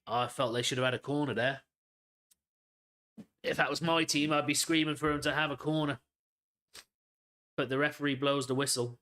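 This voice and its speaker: A man's voice: medium pitch, steady tone, moderate pace, pauses often, sharp tone. A man hosting a live football watchalong, calling the play and ranting bluntly with lots of swearing. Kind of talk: live match commentary and rant.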